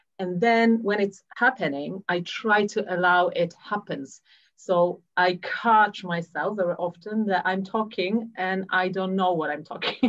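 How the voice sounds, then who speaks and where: The speaker talks fairly slowly in a Polish accent. Pitch variation is ordinary. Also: woman, medium pitch for a woman. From Poland. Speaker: psychotherapist and YouTube host. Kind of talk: interview conversation.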